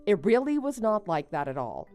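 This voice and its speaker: Casting: actress as betrayed young wife in animated melodrama, sensible and firm, medium pitch with very varied intonation. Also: female voice, normal speed, faint music behind. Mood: matter-of-fact. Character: indignant, level-headed young married woman, betrayed friend. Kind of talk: melodramatic animated-story voice acting.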